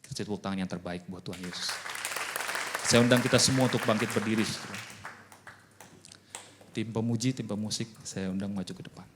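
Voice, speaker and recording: A pastor preaching a sermon, telling stories and acting out both sides of the conversations. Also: male voice, fairly low pitch, brisk, long pauses, a crowd in the background, noisy background. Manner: animated storytelling, voices both sides of conversations. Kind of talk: sermon with acted-out dialogue.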